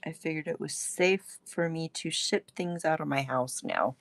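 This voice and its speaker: A woman's voice: sits low, normal speed, dry recording. A woman getting over an illness, chatting casually with viewers on a live stream while she demonstrates how to make jewelry and welcomes people by name. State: recovering from illness, gravelly throat. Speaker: jewelry maker selling on a livestream. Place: home crafting space.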